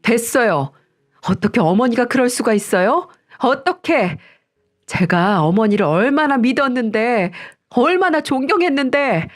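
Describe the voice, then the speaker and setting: A woman's voice: a little high, expressive, measured pace, voice pushed up. A woman voicing a betrayed young husband in a read-aloud story, speaking with hurt reproach.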